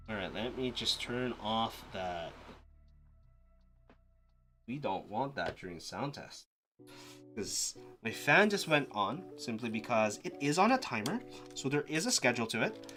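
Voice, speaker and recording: Here the keyboard-testing streamer has a medium-pitched, slightly bright voice. They think out loud casually, talking to themself with frequent restarts and the occasional sudden outburst.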